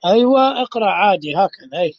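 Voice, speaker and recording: A man teaching an online class as the sheikh, speaking calmly and patiently. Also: high-pitched, quick pace, gravelly, no echo, muffled recording. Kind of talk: online lesson, checking the audio.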